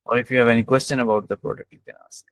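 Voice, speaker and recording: A man's voice: mid-range voice, fairly even intonation, racing, no room sound. A man with a South Asian accent hosting an informal online discussion, tentative and often saying "like". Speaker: host of online community session. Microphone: online voice call.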